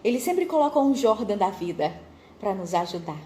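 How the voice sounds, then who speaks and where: A woman's voice: mid-range voice, very animated, moderate pace, mellow, slight background noise, poor audio. A young woman with a Brazilian accent telling a religious parable and a personal story, chatting straight to her listeners. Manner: conversational, addresses listeners directly.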